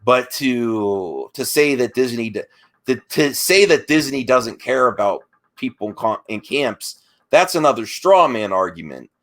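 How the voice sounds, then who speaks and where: A man arguing defensively in an unscripted online debate, speaking in a halting, argumentative way. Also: mid-range voice, lively intonation, fairly bright tone. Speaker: debate guest.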